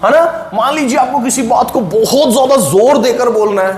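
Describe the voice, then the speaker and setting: A man teaching English grammar in a classroom with an Indian accent. He explains slowly and keeps checking in with his students. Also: extremely high pitch, darkish tone. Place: classroom with a whiteboard. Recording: echoey room with faint noise.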